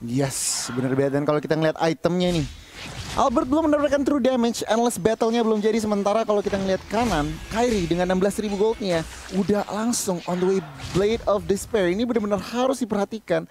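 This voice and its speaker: High-pitched Indonesian male game analyst. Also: lively intonation, quick pace, a little mellow, slight background noise. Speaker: esports analyst commentator.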